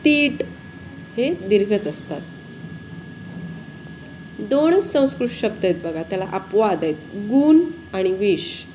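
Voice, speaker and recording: Slow, lively woman teacher. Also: medium pitch, a little hiss or hum. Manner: explains slowly, often asks pupils questions. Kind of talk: spelling lesson.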